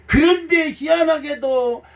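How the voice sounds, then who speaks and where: A man's voice: very high voice, takes it slowly, vocal fry, far from the mic. A middle-aged man preaching a sermon as pastor, folksy and emotional, acting out little dialogues and making blunt jokes to the congregation. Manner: blunt, joking asides to the congregation. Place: church sanctuary.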